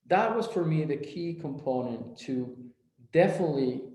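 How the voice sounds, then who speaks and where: A man from Mexico walks through a clinical case in a recorded talk, stumbling over repeated words as he retells what his patients said. His voice sits a little high for a man. The sound carries an echoey room around it. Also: lively intonation, moderate pace, mellow. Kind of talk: recorded academic presentation.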